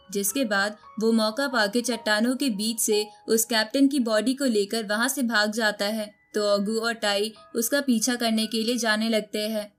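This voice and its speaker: Woman, slightly high voice, scripted storytelling narration, recap narrator, music playing behind. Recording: music bed under the voice. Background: background music.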